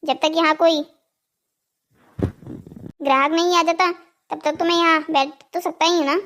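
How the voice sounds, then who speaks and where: A naive, dutiful cartoon boy as a woman plays him. The voice is extremely high and childlike, polite and earnest in delivery. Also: steady tone, unhurried, fairly bright tone, slight background noise. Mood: polite, uneasy. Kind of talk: scripted cartoon story dialogue.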